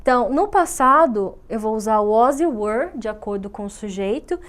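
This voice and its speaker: A woman's voice: on the high side, animated, moderate pace. A Brazilian woman English teacher giving a recorded online grammar lesson in a patient, explanatory way, often checking understanding. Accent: Brazilian Portuguese.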